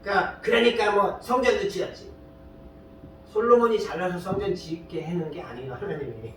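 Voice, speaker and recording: A man's voice: a little fast, a bit bright. A man preaching a sermon as pastor, in a plain conversational way, firing rhetorical questions and prodding the congregation. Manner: fires rhetorical questions and prods listeners with "eh?"; colloquial, storytelling preacher. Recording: very echoey hall, distant mic, faint rumble.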